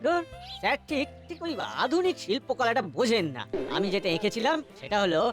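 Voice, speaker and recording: A woman voices a cocky young schemer of a boy in a cartoon. The delivery is animated, swinging up and down as he boasts and repeats himself. Soft music plays underneath. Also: on the high side. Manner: halting, repetitive, boastful. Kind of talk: cartoon voice acting.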